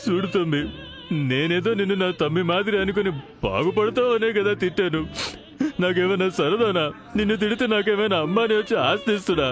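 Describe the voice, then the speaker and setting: A man's voice: sits high, a little fast, soft background music. A man playing an office manager in a comedy sketch, scolding and then complaining, with Tamil and Kannada words mixed into his Telugu.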